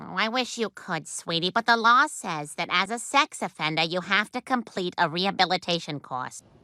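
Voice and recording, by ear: A female-sounding, cartoonish character voice at a medium pitch moves at a moderate pace with hardly any pauses.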